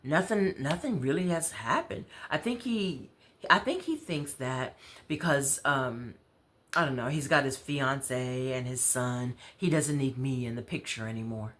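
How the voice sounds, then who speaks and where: An American woman voicing a troubled, proud mother in a story, confiding in a halting, conversational way. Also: rumbling low, animated, fairly bright tone, full character voice. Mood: frustrated.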